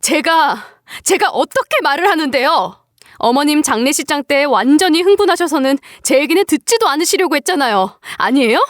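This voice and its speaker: A wounded young daughter-in-law pleads and finally talks back, voiced by a woman. Her high voice moves a lot in pitch. The sound is dry and close. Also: expressive, brisk, dry recording, close to an everyday voice. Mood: defiant. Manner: pleading, tearful defiance. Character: young widowed daughter-in-law, hurt but standing up. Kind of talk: dramatized story reading.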